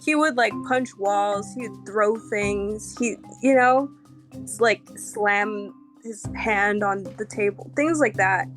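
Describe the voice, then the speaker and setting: A woman recounts her marriage slowly and casually, filling her speech with likes and small pauses. Her pitch sits mid-range. Faint music plays underneath. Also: fairly bright tone. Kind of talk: personal storytelling.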